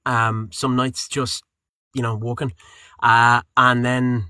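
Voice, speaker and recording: A male voice actor chatting freely, his tone bright and forward and his words wandering with lots of fillers and restarts. the sound is dry and close, recorded in a booth with little room echo. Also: medium pitch, slow pace, clean tone. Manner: rambling, relaxed, with frequent fillers and restarts. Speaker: voice actor and audiobook narrator. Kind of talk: casual interview chat.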